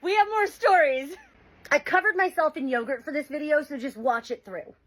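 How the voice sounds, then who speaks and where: A woman's voice: high-pitched, moderate pace, fairly bright tone, rough recording. A young woman hosting, telling funny stories in casual chat and laughing often. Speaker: host.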